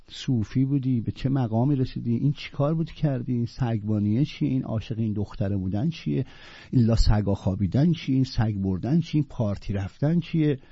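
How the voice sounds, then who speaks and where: A man explains Sufi poetry in a casual, conversational way, reciting lines with mounting force before unpacking them. His voice is husky and a little breathy. The recording is dull and lo-fi with a dry, close sound. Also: medium pitch, mellow, dry recording. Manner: recites verses with rising emphasis, then explains in loose colloquial talk. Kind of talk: casual spoken commentary on classical poetry.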